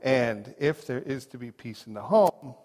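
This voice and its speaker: A man from New Hampshire, a pastor who gives a chatty sermon full of personal stories, and he slows down to read quotations. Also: mid-range voice, a little mellow. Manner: conversational and joking, reads quotes slowly. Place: large church sanctuary. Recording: long reverb of a big hall.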